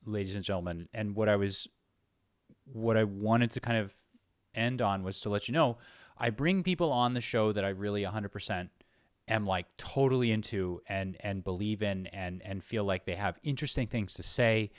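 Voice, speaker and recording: A man hosts a casual interview show in a lowish voice. He talks earnestly and with open admiration for his guest. The sound is dry and close, with little room to it. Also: normal speed, no echo. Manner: earnest, effusive praise of guest. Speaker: show host.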